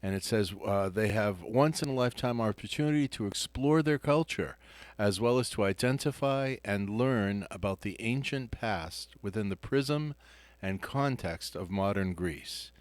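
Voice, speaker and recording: A man's voice: fairly low pitch, moderate pace, no echo. A man hosting a live radio interview in a studio, chatty, with many fillers and restarts. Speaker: radio host.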